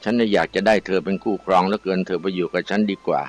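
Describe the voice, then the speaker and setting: An earnest young village man from a folktale, low-voiced and pleading, as a male narrator plays him. The recording is dry and close with soft background music. He sounds sincere and smitten. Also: fairly even intonation, rapid-fire, no echo, lightly acted. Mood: eager.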